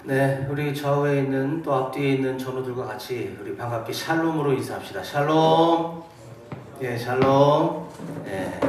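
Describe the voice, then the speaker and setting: Hoarse pastor preaching with a cold. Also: male voice, medium pitch, distant mic, a little hiss or hum. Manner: calm, measured preaching. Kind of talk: sermon. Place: military chapel. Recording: echoey hall, mic heard from afar.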